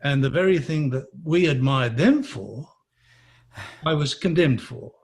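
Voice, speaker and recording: Husky-voiced man telling his story. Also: fairly high pitch, expressive. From Malaysia. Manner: reflective, measured, earnest. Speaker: interview guest. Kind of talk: personal storytelling in an interview.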